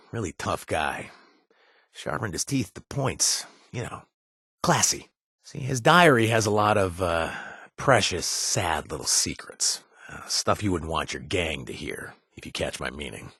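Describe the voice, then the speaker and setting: A jittery raider buddy from a game, husky voice, lively swoops, dry close sound, rambling, jokey. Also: male voice, fairly low pitch, a little slow, no room sound, full character voice. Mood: wry chatty. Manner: rambling, self-correcting, jokey. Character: nervous, wisecracking male raider ally, eager to please. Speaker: video game companion character. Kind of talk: game character voice lines.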